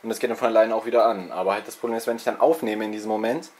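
A man's voice: fairly low pitch, steady tone, rapid-fire, a little mellow. Young man rambling casually with a slight cold. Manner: loose, chatty, self-mocking, filler-heavy. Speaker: let's play channel host. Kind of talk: casual rambling info vlog. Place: bedroom with TV and consoles, indoors. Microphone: handheld video camera's built-in mic.

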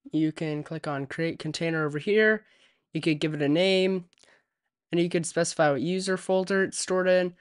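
Man, tech tutorial voice-over, smooth clear tone, dry close sound, steady step-by-step delivery. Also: high-pitched, no room sound. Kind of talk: screen-recorded software tutorial. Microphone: USB desk microphone.

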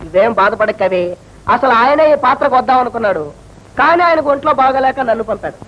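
A brash, cocky young upstart. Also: male voice, extremely high pitch, expressive, quick pace. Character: cocky young male story character, brash and threatening. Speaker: character in a film comedy. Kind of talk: 1980s film comedy acting. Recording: dull old film soundtrack with faint hiss.

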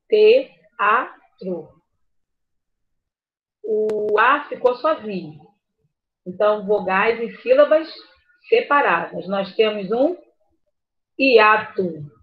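Slow, patient woman teacher. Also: medium pitch, animated. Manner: slow, patient, spells words out. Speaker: primary school teacher. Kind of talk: online class review. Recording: slightly muffled lo-fi audio.

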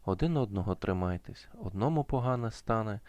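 A man voicing a dying old father giving his last orders in a folk tale, in a plain, measured reading voice. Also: on the low side, animated, a little mellow, dry recording, lightly acted. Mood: solemn.

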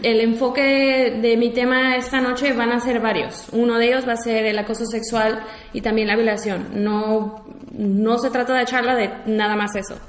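A woman's voice: fairly high pitch, flat delivery, normal speed. A woman in her twenties, from Mexico, with a Mexican Spanish accent, giving an informal talk in a university hall with many fillers and restarts. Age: 20s. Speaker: invited speaker, war veteran. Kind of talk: public talk to an audience. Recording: echoey lecture hall.

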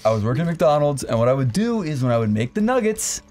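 A young man hosting a casual chat, telling a crude, animated story with lots of laughter. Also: on the high side, fast. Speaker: podcast host.

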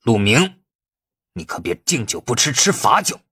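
A man's voice: mid-range voice, sing-song, moderate pace, bright, forceful tone, slightly rough, no room sound, clean studio sound, exaggerated voice. A man voicing an irascible, calculating police chief in an audiobook, blustering and commanding. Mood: angry threat.

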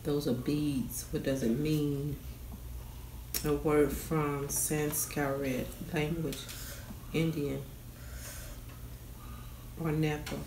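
A woman's voice: sits low, flat delivery, extremely slow, pauses often, mellow. A middle-aged woman talking casually at a dining table at home. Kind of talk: casual chat. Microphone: camera across the table. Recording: echoey, distant camera mic, background noise.

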